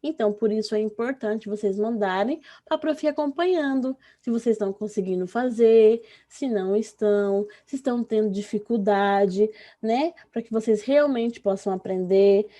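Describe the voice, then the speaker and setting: A woman with a Brazilian Portuguese accent, a primary school teacher giving an online lesson to young children. She stretches out words slowly when spelling and keeps checking in with "tá?" and "né?" in an affectionate way. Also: medium pitch, warm tone.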